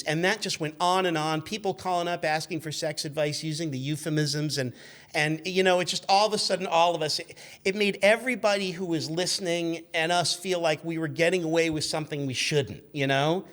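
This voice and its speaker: Man, fifties, raised pitch, casual interview guest, animated anecdotes, profane, halting restarts. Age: 50s. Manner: animated, profane, stumbling as he tells stories. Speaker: guest, former radio show intern.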